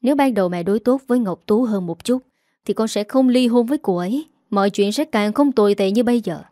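A woman's voice: medium pitch, fast, mellow, dry recording, studio quality, lightly acted. A woman voicing a young husband who is cold and reproachful, in an audio story.

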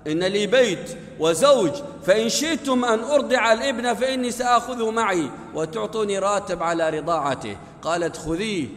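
A man's voice: sits high, animated, a little fast, hardly any pauses, a bit bright, a little hiss or hum. A man preaching a Friday sermon, telling a story dramatically and voicing the characters' lines. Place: mosque. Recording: echoey hall, long reverb.

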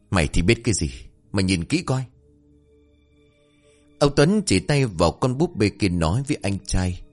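A man narrating a horror story dramatically, swinging between tense and hushed delivery. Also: low voice.

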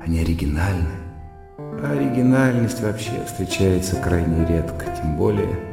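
A brooding inner voice. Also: male voice, normal speed, vocal fry, echoey room, in a large hall, over loud music. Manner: low, brooding inner monologue. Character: proud skeptical man brooding in inner thought.

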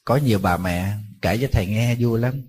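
A man who is a Buddhist monk, giving a dharma talk full of lively stories and playful questions to his audience. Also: fairly low pitch, moderate pace, slightly rough.

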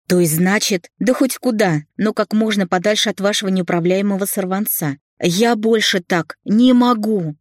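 A woman's voice: medium pitch, brisk, few pauses, a little mellow, no room sound, clean studio sound, voice pushed up, natural voice. A woman reading an audiobook, voicing an indignant sixty-year-old nanny who exclaims in exasperation. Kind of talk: audiobook narration.

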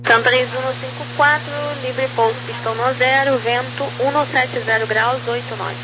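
Brazilian lady tower controller, bit high voice, crackly military radio w/ hum, procedural clearances. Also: steady tone, normal speed. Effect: aviation radio transmission. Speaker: tower air traffic controller.

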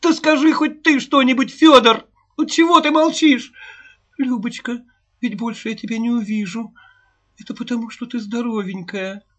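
A woman's voice: on the low side, animated, slow, voice pushed up. A man voicing a distraught peasant mother who is sick and bitter, pleading and wailing. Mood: sobbing. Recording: dull lo-fi recording.

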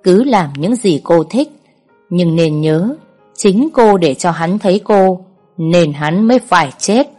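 A woman voicing a ruthless young male crime boss who speaks calmly and curtly, in a storybook reading. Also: on the low side, slow pace, faint music behind. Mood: cold. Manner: calm, curt and commanding.

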